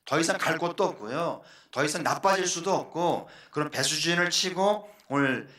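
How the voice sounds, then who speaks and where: A man's voice: on the high side, moderate pace, bright, forceful tone. A male pastor preaching a sermon in a church, earnest and often putting questions to his congregation. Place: church sanctuary. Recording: echoey church hall.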